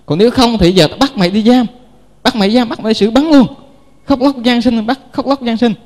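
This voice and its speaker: A man's voice: extremely high pitch, brisk, darkish tone, voice pushed up. A man with a Southern Vietnamese accent voicing a stern, threatening male police officer in a sermon story, in a reverberant hall. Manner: barking orders, rough and contemptuous.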